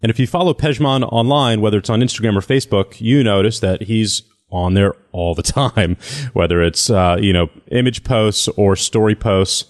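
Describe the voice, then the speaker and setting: A man hosting an interview podcast, relaxed and conversational. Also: lowish voice, normal speed. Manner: relaxed conversational, uses "y'all". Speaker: podcast host.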